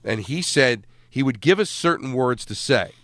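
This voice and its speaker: A man in his fifties from New Jersey, co-hosting a sports radio show in a studio, self-deprecating and halting, with many restarts. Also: medium pitch, lively intonation, fairly bright tone, no room sound. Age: 50s. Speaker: radio co-host. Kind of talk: casual sports radio banter. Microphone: studio microphone.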